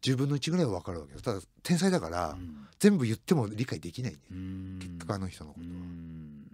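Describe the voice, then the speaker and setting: A man's very deep, low voice with a dark, mellow tone, lively intonation and big swings in loudness, at a fairly quick pace in a very clean recording with a silent background. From Japan, Miyagi. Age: 50s. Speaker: former martial artist, referee and coach. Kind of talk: interview. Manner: fast.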